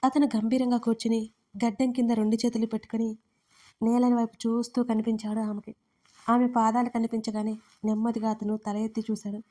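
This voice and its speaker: Woman narrator, higher voice, steady monotone audiobook reading. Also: brisk. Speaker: storyteller, channel host.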